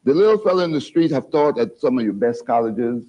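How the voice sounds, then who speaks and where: A man's voice: medium pitch, animated, fairly quick, dark tone. A man, a guest lecturer, talking in a folksy, self-deprecating way with chuckling asides. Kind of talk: conversational TV interview. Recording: dull lo-fi TV audio.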